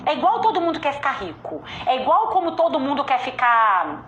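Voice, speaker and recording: A fairly high-voiced woman with a strong regional Brazilian accent drives home a motivational sales talk, emphatic and direct. Her voice rings out in an echoey room, with faint ambience behind her. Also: very animated, brisk, fairly bright tone, lo-fi sound, slight background noise. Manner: emphatic, direct, repeats key points. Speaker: sales speaker.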